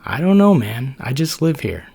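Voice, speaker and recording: A man's voice: mid-range voice, very animated, moderate pace, creaky, mellow, breathy edge, voice pushed up, heavily acted. A man voicing a hungry, dim-witted, laid-back male white blood cell in a storybook reading. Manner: easygoing, slangy drawl.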